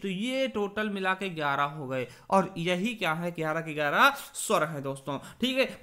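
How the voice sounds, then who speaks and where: High, bright-voiced man teaching Hindi grammar. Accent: Hindi from eastern Uttar Pradesh. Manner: repetitive, asks and answers own questions; addresses listeners as friends, drawn-out examples. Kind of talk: exam-prep grammar lesson.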